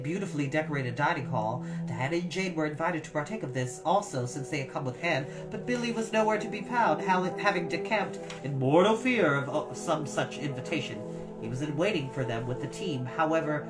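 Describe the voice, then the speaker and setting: A woman reading a story aloud with expressive, emphatic, dramatic delivery, as a storytime host. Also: deep voice. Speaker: storytime reader. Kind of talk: expressive story narration with encouraging asides. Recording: slightly distant mic, music behind.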